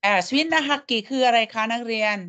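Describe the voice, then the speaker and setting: A woman's voice: on the high side, fast talker, a bit bright, clear, resonant tone. A woman teaching a language lesson, coaxing students and drilling sounds syllable by syllable. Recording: dull lo-fi audio.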